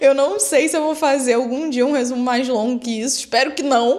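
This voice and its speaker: With a Rio de Janeiro accent, the speaker talks at a fairly quick pace with ordinary pitch variation. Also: woman. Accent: carioca. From Rio de Janeiro, Brazil. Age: 20s. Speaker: book youtuber. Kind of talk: casual vlog talk. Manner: animated.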